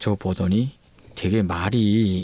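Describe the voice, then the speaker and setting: In a very clean recording with a silent background, a man with a North Korean accent talks at a fairly low pitch in a dark, mellow tone. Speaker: North Korean defector, animation artist. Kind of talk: podcast interview.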